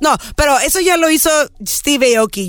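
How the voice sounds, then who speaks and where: In an animated tone, a woman speaks at a moderate pace with ordinary pitch variation. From Mexico, Sinaloa. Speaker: podcast co-host. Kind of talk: casual chat.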